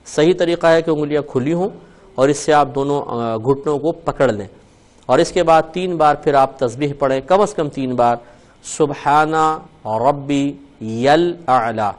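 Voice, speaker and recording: A man hosting a religious call-in show as a mufti, explaining patiently and slowly repeating phrases to show how to say them. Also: a little high, a little mellow. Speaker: mufti answering callers.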